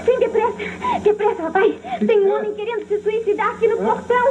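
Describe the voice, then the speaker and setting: A woman playing an excitable child calling urgently in an old radio comedy sketch. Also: very high voice, a little fast, lo-fi sound, heavy background noise. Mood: alarmed, urgent. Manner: urgent, exclaiming.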